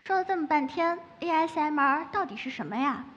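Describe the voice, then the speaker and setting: A woman who makes ASMR, giving a lively public talk from a stage with playful asides. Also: high-pitched, a little fast. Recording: echoey hall, muffled, faint noise.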